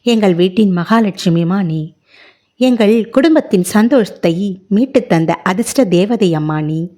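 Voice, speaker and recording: A fond older mother-in-law from a read-aloud story, praising lovingly in a slightly lowered, softer voice, as a woman narrator voices her. She speaks slowly and tenderly. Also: close to an everyday voice. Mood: fond praise.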